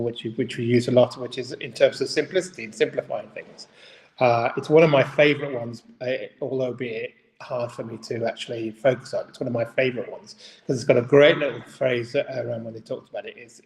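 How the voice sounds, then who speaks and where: A man of middling pitch talks loosely to his viewers and often circles back to restart a thought. His voice rings out in a big echoey hall with a long, hanging reverb. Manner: rambling, thinking aloud, with frequent restarts. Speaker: small-business coach and host of a daily live video. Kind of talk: unscripted live talk to viewers. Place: large echoey room.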